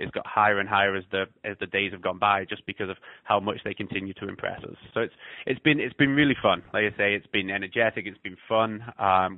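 Fast-talking English coach on a phone line. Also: male voice, on the low side, no room sound. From England. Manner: chatty, many fillers and restarts. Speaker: head soccer coach. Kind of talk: phone interview.

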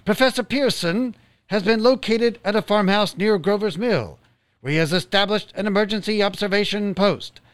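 A man's voice: sits high, normal speed, dry recording, close to an everyday voice. A man playing an earnest radio news announcer, formally reporting a disaster in a radio drama. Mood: urgent, formal. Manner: formal, urgent, orderly.

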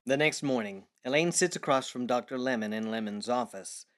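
A male narrator with a mid-pitched voice. He reads scripted scene descriptions in the present tense for an audio drama. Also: a little fast, fairly bright tone, faint music behind.

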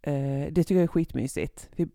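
A woman co-hosting a podcast, chatting in a relaxed, opinionated way. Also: sits low, gravelly, no echo, studio quality. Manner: relaxed, opinionated, giggles between points. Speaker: podcast co-host. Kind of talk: casual podcast chat.

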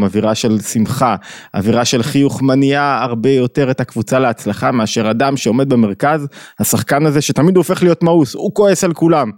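A man's voice: mid-range voice, darkish tone, no echo, clean studio sound. A man teaching a reflective spoken lesson, asking his listeners questions and voicing the people in his examples. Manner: reflective, poses questions to listeners, acts out quoted voices. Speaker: lecturer on Jewish thought.

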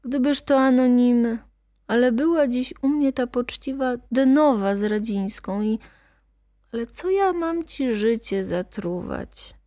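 A woman's voice: fairly high pitch, measured pace, dry recording, clean studio sound, pitched above the performer's own voice, natural voice. A woman reading a tearful elderly mother. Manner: hushed, pleading.

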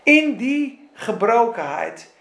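A male pastor preaching a sermon in a lively, colloquial way. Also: very high-pitched, takes it slowly, echoey room.

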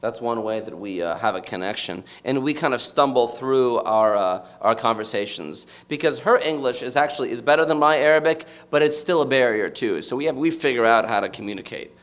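A man in his thirties from the United States gives a personal talk before a live audience in a middle-pitched, fairly bright voice. He is reflective yet expressive and fairly quick with hardly any pauses, though he often stops to search for the right words.

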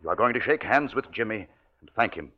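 A man plays a steady hospital doctor who reassures his patient with quiet firmness, his voice fairly low. It comes through a dull, muffled old radio recording. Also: brisk, slight background noise, lightly acted. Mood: soothing. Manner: soothing, reassuring, firm. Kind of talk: 1940s radio drama acting.

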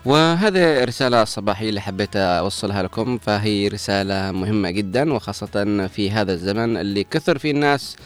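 A man's voice: on the low side, fairly quick, faint music behind. A man presenting a morning radio talk, earnest and preachy as he gives moral advice.

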